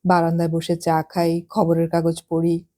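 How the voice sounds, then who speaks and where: A woman narrating a literary novel as an audiobook, reading in a measured, reflective way. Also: lowish voice, completely flat delivery, warm tone.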